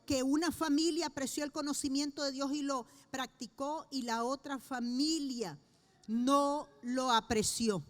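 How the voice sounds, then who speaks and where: A middle-aged woman pastor, preaching a sermon in an earnest way with slow, emphatic pauses. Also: high voice.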